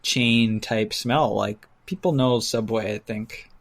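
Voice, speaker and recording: A man's voice: fairly low pitch, takes it slowly. A man co-hosting a podcast, chatting casually and jokingly in loose, informal language with some swearing. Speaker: podcast co-host. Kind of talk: casual comedic banter.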